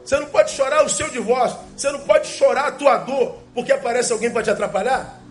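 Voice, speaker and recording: A male pastor, preaching a sermon emphatically with rhetorical questions and slowly repeated key phrases. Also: extremely high pitch, faint music behind.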